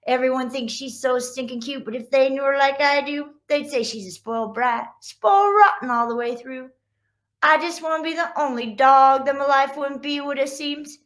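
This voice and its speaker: A whiny, jealous big-brother dog from a children's storybook, acted out by a woman reading aloud. The voice is high and bright, grumbling about life with younger siblings. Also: moderate pace. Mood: aggrieved, grumbling.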